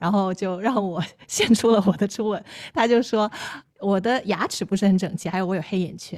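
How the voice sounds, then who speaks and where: At a fairly quick pace, a woman talks in an unremarkable speaking voice of medium pitch with fairly even intonation. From Guangdong, China. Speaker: electric vehicle commentator and author. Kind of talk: casual chat.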